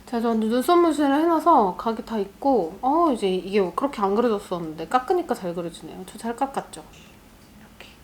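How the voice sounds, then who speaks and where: A young woman talks her way through a makeup routine in a lively, chatty vlog voice. Her pitch sits a little high and swings widely as she jokes and laughs. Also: a little fast. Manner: chatty and animated, laughs often. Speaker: beauty YouTuber. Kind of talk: get-ready-with-me makeup vlog.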